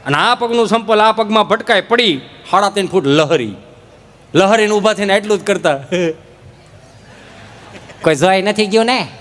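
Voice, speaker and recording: Folksy comic storyteller. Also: male voice, sits high, moderate pace, pauses often, in a large hall. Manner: folksy, lively, acts out village characters. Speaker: stand-up comedian. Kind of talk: folk humor storytelling on stage.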